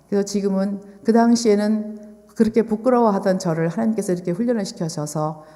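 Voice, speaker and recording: A woman with a medium-pitched voice speaks fairly quickly, with ordinary pitch variation. Noticeable background noise runs beneath her. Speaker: missionary. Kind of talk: testimony. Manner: halting.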